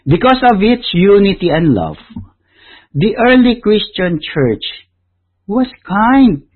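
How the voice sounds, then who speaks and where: A Filipino man whose first language is Tagalog preaches a sermon in a Filipino accent. His emphatic, sing-song delivery is slow and breathy, with loud high stresses that fall low at the ends of phrases. The audio is tinny, as if from a phone.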